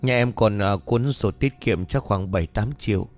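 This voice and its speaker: A man's voice: on the low side, normal speed, soft background music, natural voice. A man voicing a village woman friend who reassures and hesitantly offers help. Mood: reassuring. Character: helpful village woman friend, hushed and calming.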